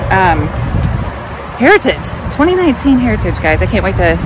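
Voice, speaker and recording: A woman talks at a moderate pace, the sound dry with no echo and noticeable background noise present. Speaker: motorcycle rider vlogger. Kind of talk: casual vlog chat. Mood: upbeat, relieved. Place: street. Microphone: phone near.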